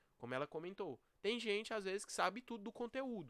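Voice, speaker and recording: Speaking at a fairly quick pace, a high-pitched man is heard in a dry, close sound with no echo. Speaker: law tutor. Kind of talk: lecture. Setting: recorded class. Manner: casual.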